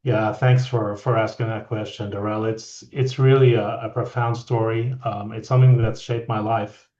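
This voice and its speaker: A middle-aged man from France, a guest leadership coach, talking in a reflective, halting way with many restarts. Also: lowish voice, little pitch movement, mellow. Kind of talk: conversational interview. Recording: echoey, dull lo-fi audio.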